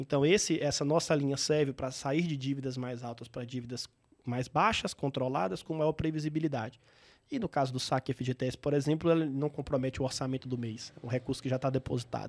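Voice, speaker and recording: A man's unremarkable speaking voice, fairly high in pitch, at a fairly quick pace, in a very clean recording with a silent background. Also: fairly even intonation. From interior of Bahia, Brazil. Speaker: entrepreneur, fintech founder. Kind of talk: interview.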